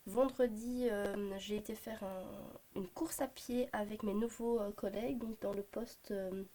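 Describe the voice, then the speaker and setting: A woman in her thirties with a Belgian French accent, hoarse from a cold, chatting to camera about her family budget with many hesitant fillers. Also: medium pitch, steady tone, a little slow, warm tone. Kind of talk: casual talk to camera. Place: home at a desk, morning.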